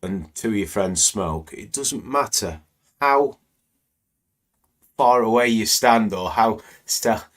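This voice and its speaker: A man hosts a live stream, commenting on stock screens in a rambling, conversational way full of fillers. His voice is croaky and a little hoarse today. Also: fairly low pitch, lively intonation, slow, long pauses, fairly bright tone. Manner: conversational, rambling, many "you know" fillers. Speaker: trading educator hosting live stream.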